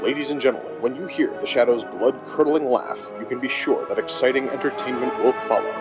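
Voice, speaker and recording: A man performs a vintage radio announcer. His booming baritone is emphatic and salesmanlike, declaiming grandly over clearly heard music. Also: fairly quick, natural voice. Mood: grand, persuasive.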